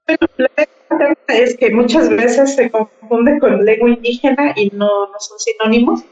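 A woman, a linguist from Mexico, explaining things in a measured way as a radio guest on the phone. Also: fairly high pitch, darkish tone, faint music behind. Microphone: phone line. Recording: distant, roomy, muffled phone line.

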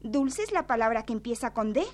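A woman's voice: on the high side, expressive, fairly quick, lightly acted. Nosy teasing young woman played by an actress. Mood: playful. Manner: playful, mocking, teasing.

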